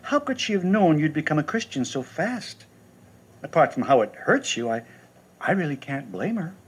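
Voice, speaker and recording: An actor playing a kindly male mentor who gives gentle advice in a husky voice. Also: fairly high pitch, big pitch swings, normal speed, full character voice. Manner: gentle, advising.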